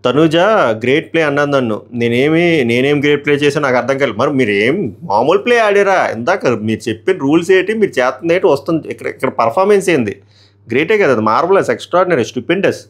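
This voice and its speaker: A man's voice: a little high, animated, fast talker. A man giving a casual, sarcastic recap of a reality show as a reviewer, often mimicking the contestants. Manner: sarcastic, mimics housemates in raised voices.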